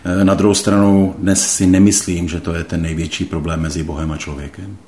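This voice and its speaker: Deep-voiced man giving slow testimony. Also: level tone, a little mellow. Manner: slow, hesitant, thoughtful, many pauses and fillers. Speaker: interview guest. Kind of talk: reflective personal testimony.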